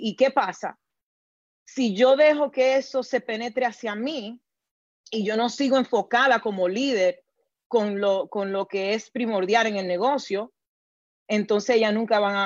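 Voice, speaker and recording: A woman's voice: medium pitch, a little slow, dry recording, muffled recording. A woman with a Dominican accent answering interview questions as a team coach, earnest and repetitive, mixing in English words. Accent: Dominican Spanish. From Dominican Republic.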